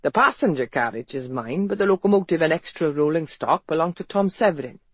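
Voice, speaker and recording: A narrator voicing a dry, amused Welsh businessman with a Welsh accent, speaking low and frankly. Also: animated, brisk, no echo.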